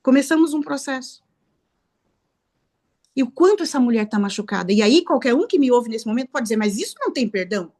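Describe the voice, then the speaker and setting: A woman from Brazil delivers a sermon in an emphatic teaching manner. Her voice sits fairly high for a woman. She poses rhetorical questions and acts out quoted speech as she teaches. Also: animated, fairly quick, long pauses, a little mellow. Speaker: preacher and counselor.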